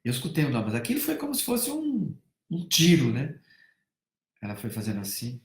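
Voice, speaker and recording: A Brazilian man speaking as a family counselor in a live-stream talk, animated, swinging between loud emphasis and soft hushed tones and acting out bits of dialogue as he tells stories. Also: fairly high pitch, a little fast, roomy sound. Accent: Brazilian Portuguese. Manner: acts out dialogue while telling stories.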